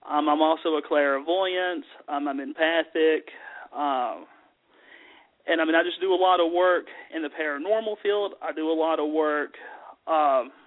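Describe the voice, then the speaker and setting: A man's voice: on the high side, measured pace. A man with a Southern American accent, a psychic medium guest talking in an easygoing, folksy way with many fillers. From Southern US mountains. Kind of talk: casual chat. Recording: tinny phone line.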